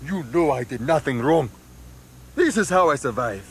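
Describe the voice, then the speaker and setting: A proud, defiant tribal hunter. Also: male voice, on the high side, lively intonation, moderate pace, loud music behind the voice. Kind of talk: screen acting scene. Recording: loud film score underneath.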